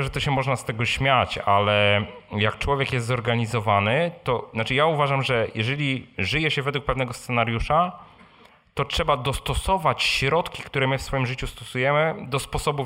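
A man's voice: mid-range voice, bright, forceful tone. A man hosting a live question-and-answer session, talking in a colloquial, direct and informal way. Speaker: host and blogger answering audience questions. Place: live meeting in front of an audience.

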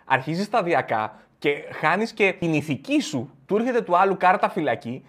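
A young adult man hosting a comic monologue, telling a story with plenty of energy and switching into other people's voices. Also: high-pitched. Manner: animated, acts out friends' voices. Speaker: comedian host. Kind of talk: stand-up style comic monologue.

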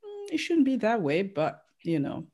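Chatty interviewer voice at medium pitch. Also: wildly swooping pitch, moderate pace, crowd noise. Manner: chatty, laughs along. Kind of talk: casual interview chat.

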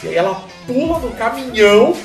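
Games journalist on a podcast, male, lively range, distant from the mic, echoey room with music. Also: very high voice, fairly quick, gravelly. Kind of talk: casual podcast chat.

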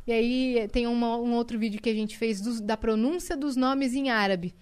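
Lively young woman telling stories. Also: fairly high pitch, normal speed, clear, resonant tone. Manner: lively storyteller, laughs a lot. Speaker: podcast guest. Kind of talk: casual podcast chat. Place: podcast studio.

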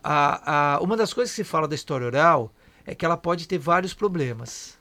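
A man's voice: on the high side, expressive, brisk, bright, forceful tone. A man, hosting a casual discussion and explaining at length, often checking in with tag questions. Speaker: podcast host and history teacher.

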